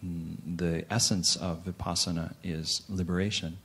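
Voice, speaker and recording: A man from the audience with a soft voice, asking a question tentatively and modestly. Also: low-pitched, flat delivery, a little slow, breathy edge. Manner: tentative, self-deprecating. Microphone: handheld microphone.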